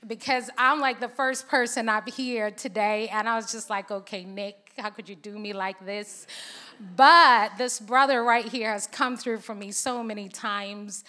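A woman's voice: a little high, fairly even intonation, unhurried, bright, forceful tone. A young woman from Zambia, whose first language is not English, preaching a sermon at a conference with chatty, laughing banter with the audience. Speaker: conference speaker. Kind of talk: sermon with casual asides. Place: large conference hall.

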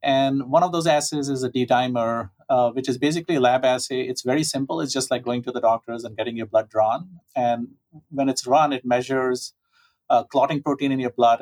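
A man speaking as a medical expert, calmly explaining a lab test in plain, measured terms. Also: mid-range voice, poor audio.

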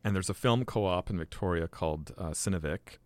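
A man's voice: low-pitched, brisk, a little mellow, slight background noise. A man in his forties, a filmmaker guest on a podcast, telling his story casually with lots of restarts and fillers. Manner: rambling, many restarts and fillers.

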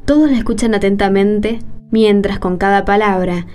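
A woman narrating a scripted radio play as a gentle storyteller. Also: mid-range voice, steady tone, normal speed, close to an everyday voice. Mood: calm narration. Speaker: narrator and friend character.

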